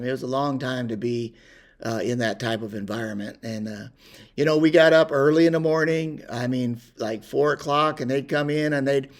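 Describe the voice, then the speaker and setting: An older man telling a personal story in a rambling, unhurried way with many pauses and fillers. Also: mid-range voice. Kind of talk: casual spoken reminiscence.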